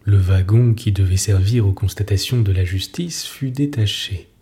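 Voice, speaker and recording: A man narrating a story in a calm, deliberate reading voice. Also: fairly low pitch. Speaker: audiobook narrator.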